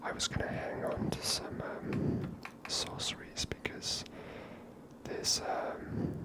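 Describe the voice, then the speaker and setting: A woman whispering breathily close to the mic as she hosts an ASMR game playthrough, soft and musing. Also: slow pace. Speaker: gaming host.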